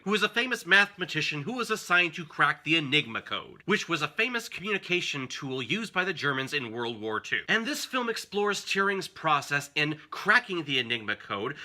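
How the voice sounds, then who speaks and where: A young man with a very bright, forceful voice that sits fairly high. His delivery is lively and emphatic, swinging up and down as he presents a casual, enthusiastic movie review as host. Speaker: film review show host.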